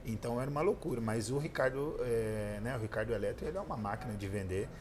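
A man's voice: medium pitch, quick pace, crowd noise. A man in his thirties with a Brazilian accent, a guest answering interview questions in an earnest storytelling way. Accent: Brazilian Portuguese. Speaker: guest entrepreneur and speaker. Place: pink decorated studio set, indoors.

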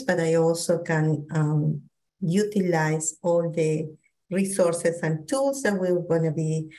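A woman's voice: lowish voice, rough recording. Peruvian woman presenting over video call. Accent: Peruvian Spanish. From Peru. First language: Spanish. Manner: warm, hesitant with many fillers and restarts. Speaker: psychologist presenter. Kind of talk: online training presentation.

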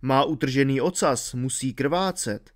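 A man voicing a suspicious middle-aged shepherd in an audiobook, asking slow, doubtful questions. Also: medium pitch, close to an everyday voice. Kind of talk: audiobook reading.

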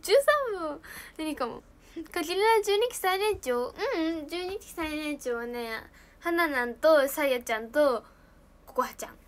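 Giggly high-voiced teen girl with a lilt. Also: measured pace. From Japan. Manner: bubbly, giggly, reads and answers viewer comments. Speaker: idol trainee streamer. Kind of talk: casual live stream chat.

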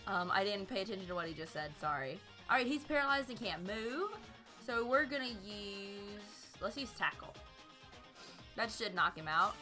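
A woman's voice: mid-range voice, expressive, moderate pace, bright, forceful tone, faint music behind. Bubbly young woman streaming a game. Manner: chatty, bubbly, laughs often, sings along. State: voice tired from streaming. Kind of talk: live gameplay commentary.

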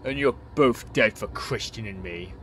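Man playing a cold, pompous AI tyrant, bright-edged. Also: fairly low pitch, unhurried, a little hiss or hum, rough recording. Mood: threatening. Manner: pompous, menacing. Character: ancient tyrannical ruler in an AI body, cold. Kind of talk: amateur audio play acting.

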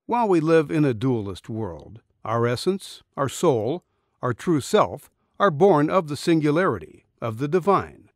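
Male narrator, middle-aged, slightly high register, earnest deliberate audiobook read, dry booth recording. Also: sing-song, no echo. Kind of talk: scripted audiobook narration of a spiritual essay. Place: small dim recording booth. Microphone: studio condenser microphone, close.

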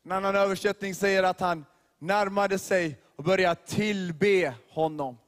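A man preaching a sermon to a gathering, his voice pitched high but held in a narrow, level band. He drives his points home with emphatic repetition and rhetorical questions. Long reverb from a large church hall hangs behind every phrase. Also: fairly even intonation, fairly bright tone. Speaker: youth leader preaching.

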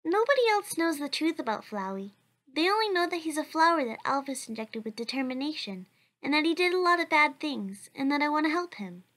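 A woman's voice: high voice, lively intonation, brisk, a bit bright. A woman voicing a kind, cheerful, determined young child in a cartoon comic dub, with an earnest, chatty manner.

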